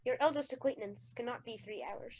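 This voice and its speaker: A woman's voice: a little high, fairly quick, a little mellow, a little hiss or hum, natural voice. A woman playing a solemn, wondering king and father in a Shakespeare radio play. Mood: solemn, moved. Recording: dull, lo-fi amateur recording.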